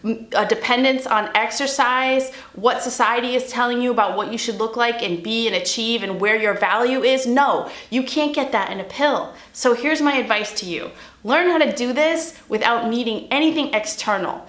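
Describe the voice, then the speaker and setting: A woman's voice: fairly high pitch, normal speed, a bit bright, echoey room. A young adult woman, a recovery mentor, giving blunt, emphatic tough-love advice straight to camera. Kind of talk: direct-to-camera advice vlog.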